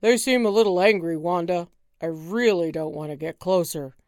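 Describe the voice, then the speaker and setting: A woman voices a nervous, middle-aged husband who just wants to go home, making him whiny, complaining, reluctant and fretful. Her voice is on the low side, expressive and unhurried, captured in clean studio sound with no room echo.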